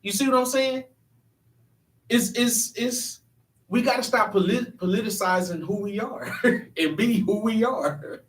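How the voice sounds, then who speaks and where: Man host of a church panel, emphatic and earnest, a touch high, echoey and off-mic. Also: a little slow, a bit bright. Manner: earnest, emphatic, often restarting sentences. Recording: echoey room, mic at a distance.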